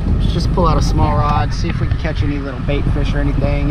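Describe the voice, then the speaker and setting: A man speaks over loud background noise. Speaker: fishing vlogger. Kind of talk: casual vlog chat. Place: car. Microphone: phone near.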